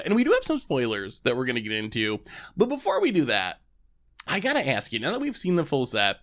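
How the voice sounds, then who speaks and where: A man's voice: medium pitch, a bit bright. A man hosting a casual podcast, leading the chat with an upbeat presenter's delivery. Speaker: podcast host.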